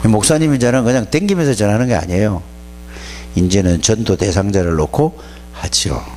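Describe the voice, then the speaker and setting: A man's voice: fairly low pitch, a little fast, slight background noise. A man preaching a sermon to young people as their pastor, telling stories and scolding them in plain words. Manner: animated, scolding, plain-spoken storytelling. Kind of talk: sermon to youth.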